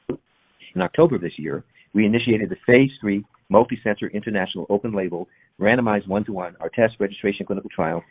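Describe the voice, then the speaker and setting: A man's voice: sits low, breathy edge. A man reading a formal, technical corporate presentation from a prepared script, as an executive on an earnings call. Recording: muffled, band-limited conference call audio.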